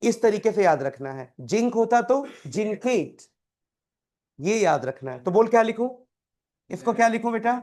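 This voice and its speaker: A man's voice: high-pitched, expressive, a little fast, darkish tone. A man teaching a chemistry class, quizzing students by name and repeating key terms. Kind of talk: live classroom tutoring.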